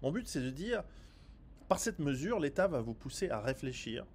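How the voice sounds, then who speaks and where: A man who is not a native French speaker, hosting a survival commentary video and talking straight to the viewer in a rambling, animated way with many restarts and sarcastic asides. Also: fairly high pitch, normal speed, slight background noise. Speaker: survival author and video host. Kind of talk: direct-to-camera commentary.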